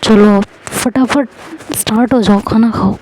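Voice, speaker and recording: A woman's voice: fairly high pitch, steady tone, unhurried, a little mellow, slight background noise, natural voice, poor audio. A woman voicing a caring young woman who teases and coaxes her wife over a video call, in a spoken love story. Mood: doting. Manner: coaxing and playful. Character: doting young woman partner working abroad, teasing.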